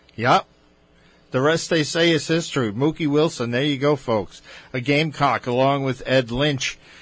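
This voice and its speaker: An ordinary speaking voice from a man, fairly high in pitch, with ordinary pitch variation and very even loudness. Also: moderate pace. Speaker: radio host. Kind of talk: radio interview. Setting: radio studio.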